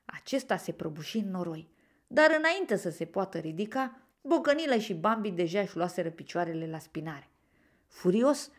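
A woman narrating a children's storybook aloud, expressive and gentle. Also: mid-range voice.

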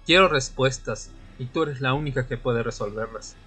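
A man's voice: medium pitch, moderate pace, bright, forceful tone, faint music behind, natural voice. A man playing a weary but insistent fledgling vampire in a radio drama, dramatic and searching in his delivery. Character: young male vampire seeker, weary and insistent. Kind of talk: radio drama acting with narration.

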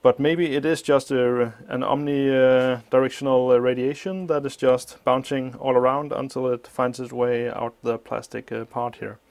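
A man's voice: medium pitch, fairly even intonation, darkish tone. Mask-muffled man in a workshop. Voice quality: slightly muffled through a mask. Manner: thinking aloud with many filler pauses. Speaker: electronics teardown host. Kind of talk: hands-on technical walkthrough. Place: workshop bench, indoors.

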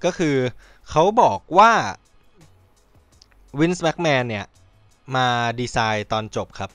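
A man hosting a podcast in casual chat, rambling and excitable, swearing freely and acting out quotes. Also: on the high side, slow pace, dry recording, faint music behind. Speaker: podcast host.

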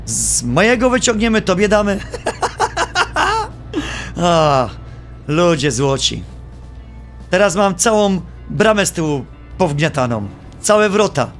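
A man streaming live, giving gameplay commentary in an animated, joking and playfully exasperated way. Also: high voice, takes it slowly, pauses often, faint music behind.

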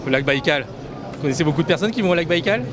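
Upbeat man pitching at a stand. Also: expressive, rapid-fire, a crowd in the background. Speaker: exhibitor at a photo course stand. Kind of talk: pitching his offer. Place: busy indoor exhibition hall.

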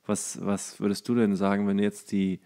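A man with a fairly low voice chats casually as a podcast co-host. He sounds tired and a little drunk, and his jokey sentences ramble and trail off. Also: flat delivery, moderate pace, warm tone. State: tipsy and tired from whisky. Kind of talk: casual comedic chat.

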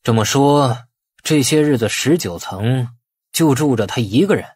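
Man acting a sinister, husky interrogator. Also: medium pitch, expressive, a little slow, a little mellow. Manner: cold, insinuating. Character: sinister, menacing male interrogator in a thriller.

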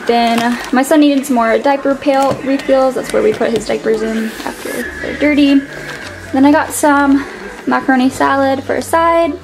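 Filming overhead with a handheld camera, a young woman at home walks through her grocery haul at a table. Her high-sitting voice moves at a normal pace, relaxed and chatty, with frequent "like" and "um." Music runs beneath the rough-sounding recording.

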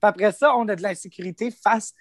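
A man's voice: sits high, quick pace, fairly bright tone, no echo. A man with a Franco-Ontarian French accent, talking casually as a panelist and leaning on lots of informal fillers. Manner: loose and informal, full of "tu sais" and "comme".

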